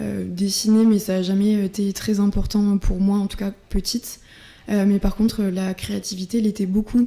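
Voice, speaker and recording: Her tone is dark and mellow, set at a medium pitch. The woman keeps a monotone, flat intonation at a moderate pace. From southwest France, Gers. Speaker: art therapist. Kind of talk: radio interview. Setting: radio studio. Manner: hesitant, many fillers.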